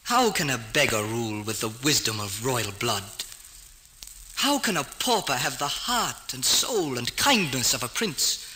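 Young deposed king: impassioned, imperious, theatrical radio drama, sharp forceful tone, lively intonation. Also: medium pitch, a little slow. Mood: bitter. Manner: imperious, theatrical, archaic speech. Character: proud, impassioned young exiled prince turned king. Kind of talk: old radio drama acting. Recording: hissy old radio recording.

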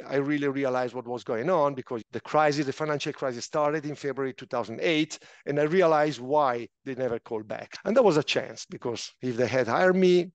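A middle-aged man from Italian-speaking Switzerland with an Italian accent, telling his career story in an interview in slightly imperfect, lively English. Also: medium pitch, dry recording. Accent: Swiss Italian. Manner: animated, slightly imperfect English, frequent restarts. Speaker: guest, finance official.

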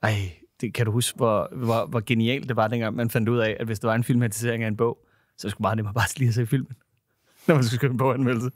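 A man co-hosting a podcast in casual chat, who mumbles a little and rushes his words. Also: medium pitch, steady tone, no echo, clean studio sound. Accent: Danish. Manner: mumbles and talks fast, words tumbling. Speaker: podcast co-host. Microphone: studio microphone.

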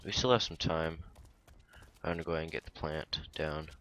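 A young man in casual gameplay commentary, talking in a monotone with mumbled asides, close to the mic. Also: extremely low pitch, a little fast, slight background noise. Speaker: gaming YouTuber.

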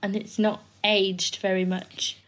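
A woman's voice: mid-range voice, little pitch movement, slow. A young woman from northern England with traces of a northern English accent, bantering casually and swearing as a podcast co-host. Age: young adult. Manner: giggly, sweary. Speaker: podcast co-host and amateur voice actor. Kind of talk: casual banter over bloopers.

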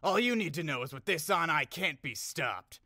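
A man's voice: a little high, animated, moderate pace, pushed and bright, dry recording, clean studio sound. A man playing a bumbling, boastful thief in an amateur audio drama, blustering and stumbling over his boasts. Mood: boastful, defiant. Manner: hesitant bluster, stammering boasts.

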